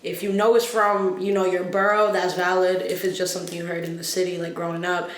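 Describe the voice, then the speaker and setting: A man's voice: high-pitched, little pitch movement, fairly quick, a bit bright, slight background noise. Laid-back man hosting a podcast. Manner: laid-back, swearing, laughs often. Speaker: podcast host. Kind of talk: casual chat. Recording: roomy studio echo.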